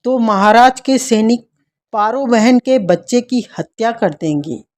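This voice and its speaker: A secretive young noblewoman in a storybook tale , voiced by a woman, speaking in a hushed, urgent voice. The delivery is slow and the tone soft and mellow. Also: a little high, animated. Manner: hushed, whispering.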